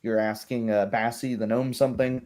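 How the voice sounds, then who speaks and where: A man's voice: medium pitch, flat delivery, normal speed, darkish tone. A man chatting casually as a game master, explaining rules with examples in a hesitant, explanatory way. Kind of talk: casual chat about tabletop game rules.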